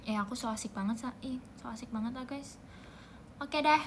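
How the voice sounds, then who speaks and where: A young woman streaming live, chatting playfully in a soft voice, humming bits of songs and thanking viewers by name. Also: a little high, brisk, a little hiss or hum. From Indonesia. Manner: playful, soft-spoken, sings snippets and reads out gifter names. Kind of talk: casual livestream chat.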